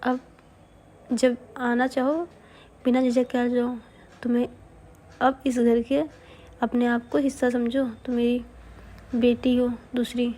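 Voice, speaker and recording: A woman's voice: a little high, level tone, takes it slowly, long pauses, warm tone. A woman voicing a kind, welcoming middle-aged mother who speaks in a motherly blessing tone. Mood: affectionate.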